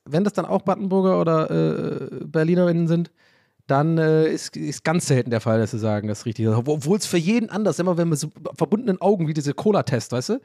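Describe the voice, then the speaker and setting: A man from a German village, telling a story in a casual monologue, animated, self-mocking and rambling. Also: a little high, no echo, studio quality.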